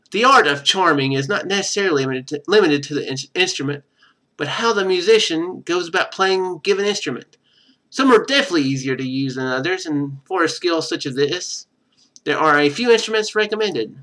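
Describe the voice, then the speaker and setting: Bright, higher-pitched male game streamer. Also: lively intonation, normal speed. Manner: thinks aloud while playing. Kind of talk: live let's-play, reading game text aloud with casual commentary.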